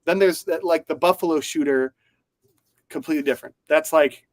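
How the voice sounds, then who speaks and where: A man chats about the news in a loose, rambling way, stopping and restarting his sentences and filling gaps with "uh" and "like." His voice sits a little high for a man. The sound is dry and close, with no room around it. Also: fairly quick, no room sound, rough recording. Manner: rambling, many fillers and restarts. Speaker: podcast co-host. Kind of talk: casual news chat.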